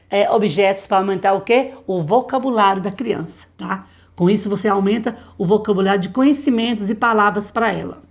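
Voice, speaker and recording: A woman with a Brazilian Portuguese accent, a literacy teacher explaining methods to other teachers, asking rhetorical questions and slowly sounding out example words. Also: mid-range voice. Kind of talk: teacher training lesson.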